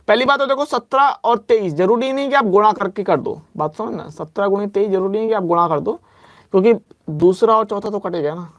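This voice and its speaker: In a high-pitched voice free of echo, a young maths teacher preps students for exams. Step by step he works sums out loud and repeatedly stresses being careful. His pace drops for dictated formulas and quickens for asides.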